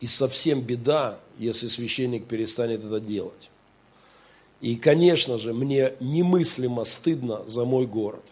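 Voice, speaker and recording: A man talks fairly slowly in a medium pitch that varies in an ordinary way. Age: 40s. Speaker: pastor. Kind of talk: sermon. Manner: animated.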